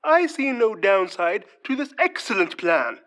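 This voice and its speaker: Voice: medium pitch, big pitch swings, unhurried, a bit bright. An actor playing a smug, scheming troublemaker with a pompous, formal drawl in an audio comedy. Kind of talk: audio fiction comedy acting.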